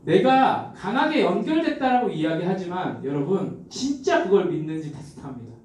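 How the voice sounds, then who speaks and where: A middle-aged man giving a motivational seminar talk, telling stories in an animated way and speaking straight to the audience. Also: high voice, normal speed, a little hiss or hum. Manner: animated storytelling, addressing the audience directly. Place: large seminar hall. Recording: very echoey hall, distant mic.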